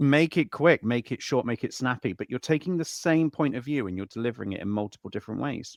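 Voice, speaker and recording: A man of medium pitch talks at a very fast pace with a West Country accent, with hardly any pauses and lively intonation. The sound is dry and close, with no echo. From England, Bristol. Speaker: marketing podcast co-host. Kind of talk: casual podcast chat. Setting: live stream.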